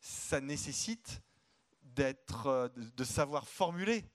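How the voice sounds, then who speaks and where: A man's voice: medium pitch, animated, takes it slowly. A man speaking as an economist guest in a live stage interview at a conference, outspoken and emphatic, often repeating words as he starts a thought. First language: French.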